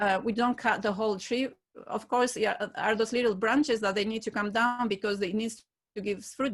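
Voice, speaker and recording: A woman speaks at a fairly quick pace with a non-native accent. Her pitch is fairly high, with ordinary variation. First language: not English. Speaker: church member. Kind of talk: church panel discussion. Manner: halting.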